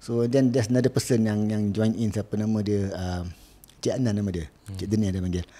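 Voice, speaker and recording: With a dark, mellow tone and fairly low pitch, a man talks at a fairly quick pace with fairly even intonation. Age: 50s. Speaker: metal musician; podcast guest. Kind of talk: casual chat. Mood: relaxed, smiling storytelling. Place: studio. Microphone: studio mic.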